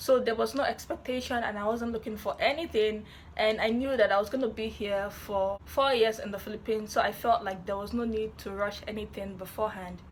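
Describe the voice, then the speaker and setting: Through noticeable background noise, a woman talks at a fairly quick pace in a fairly high pitch with ordinary pitch variation. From Nigeria. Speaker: vlogger. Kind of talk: casual vlog talk to camera.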